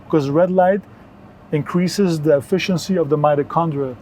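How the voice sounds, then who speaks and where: Higher-voiced mellow man from Belgium, explaining earnestly. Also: moderate pace, a little hiss or hum, low-quality recording. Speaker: interview guest, wellness entrepreneur. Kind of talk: conversational health advice.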